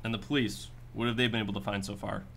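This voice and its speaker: A man's voice: fairly low pitch, steady tone, fast talker, gravelly, a bit bright, slight background noise. A man playing a skeptical, businesslike detective in a radio drama, asking clipped, matter-of-fact questions. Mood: measured. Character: hard-boiled male detective, probing, skeptical, businesslike.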